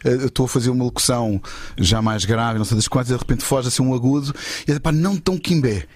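A man's voice: mid-range voice, fast. A middle-aged man, telling anecdotes as a guest in casual, slangy chat and acting out the dialogue. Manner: slangy, animated storyteller who acts out dialogue. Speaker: guest, voice actor.

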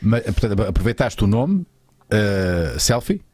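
A man hosting a live talk show, lively and stammering in casual chat. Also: fairly low pitch, a little slow, no room sound. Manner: animated, stammering restarts, pleads with viewers. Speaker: show host.

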